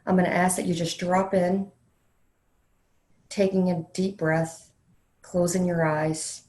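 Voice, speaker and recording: A woman leading a guided meditation in a slow, soothing way, leaving long pauses between phrases. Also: lowish voice, flat delivery, darkish tone. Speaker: meditation leader, counselor educator. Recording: roomy, echoey sound.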